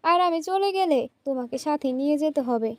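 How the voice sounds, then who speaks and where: A woman's voice: high voice, expressive, moderate pace, no room sound. A woman voicing a mistreated young female student who speaks in a tearful, pleading way.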